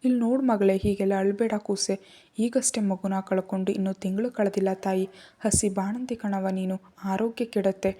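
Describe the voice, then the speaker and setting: A woman's voice: mid-range voice, fairly even intonation, moderate pace, dark tone, natural voice. A woman voicing a tender motherly older woman. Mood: soothing. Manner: soothing, coaxing, repeats endearments.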